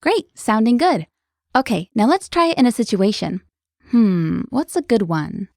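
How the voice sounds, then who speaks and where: A woman with a slightly high voice hosts a language lesson, explaining each word in a clear, upbeat way. The sound is close and dry, with no room around it. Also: very animated, unhurried, a little mellow, dry recording. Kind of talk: scripted lesson dialogue.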